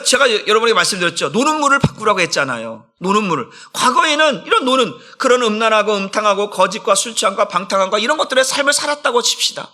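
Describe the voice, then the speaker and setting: A man's voice: high voice, pushed and bright. A middle-aged man, a senior pastor, giving an emphatic dawn prayer sermon and acting out friends' taunts in casual speech.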